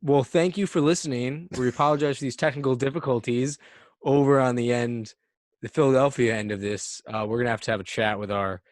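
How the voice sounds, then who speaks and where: A man's voice: mid-range voice, a little fast, dry recording, clean studio sound. A man hosting a casual podcast, joking around and swearing as he rambles. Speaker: podcast host.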